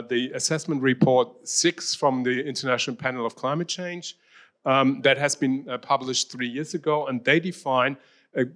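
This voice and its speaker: A man in his fifties with a German accent, a university researcher presenting a talk with slides, filling pauses with many ums and restarting phrases. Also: mid-range voice, a bit bright.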